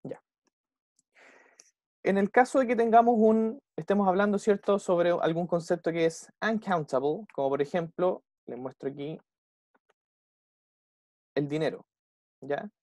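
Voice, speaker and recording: A man's voice: high voice, a little slow, long pauses, a little mellow, no echo, clean studio sound. A young man with a Chilean accent teaching an online English class, explaining step by step and checking in with the students after almost every phrase. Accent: Chilean Spanish.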